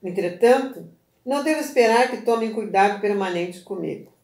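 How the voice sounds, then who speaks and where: A woman voicing a weak, faithful dying man, speaking softly and slowly through labored breath, in a book reading recorded on a phone. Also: medium pitch, expressive. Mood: weary calm. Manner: soft, slow, breathy pleading. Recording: echoey room on a phone.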